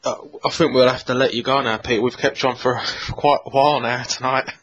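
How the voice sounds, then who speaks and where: A man's voice: medium pitch, fairly even intonation, brisk, fairly bright tone, breathy edge. A man hosting a casual podcast interview, with a tentative, meandering way of phrasing things. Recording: dull lo-fi call audio.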